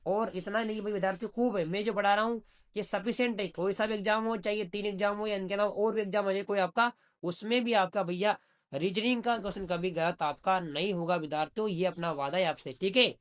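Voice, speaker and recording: A man's voice: sits high, fairly even intonation, fairly quick. A man teaching reasoning for an exam in a chatty way, asking questions and answering them himself. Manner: chatty, calls students "bhaiya", asks and answers his own questions. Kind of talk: exam-prep video lesson.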